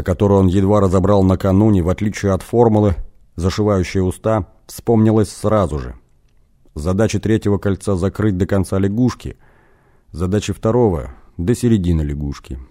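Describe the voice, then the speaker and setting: Low-voiced guy narrating a fantasy audiobook, dark mellow tone.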